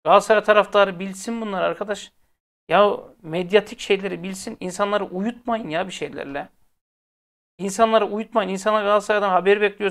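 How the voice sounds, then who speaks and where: Man, football fan host, heated casual rant, repeats himself for emphasis. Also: high voice. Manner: exasperated, repeats phrases for emphasis; speaks directly to viewers, blunt and heated.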